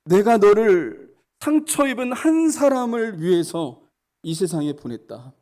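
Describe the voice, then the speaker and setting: A male pastor voicing God as a gentle, apologetic, fatherly figure in a measured, consoling way. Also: high-pitched, sing-song. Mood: tender.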